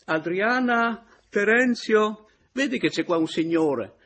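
A man's voice: high voice, animated, takes it slowly, slight background noise, voice pushed up, full character voice. A man putting on a flustered old man of sixty. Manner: flustered, apologetic, calling out loudly. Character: fussy bald old man around sixty.

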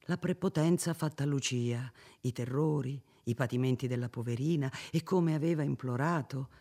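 A man narrating an audiobook of a classic novel in a measured, expressive reading. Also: mid-range voice.

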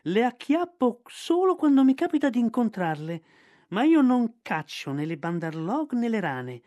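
A man's voice: extremely high pitch, sing-song, normal speed, darkish tone, no room sound, lo-fi sound, pitched above the performer's own voice. A man voicing a huge proud male rock python who talks with scorn and rising outbursts. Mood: indignant.

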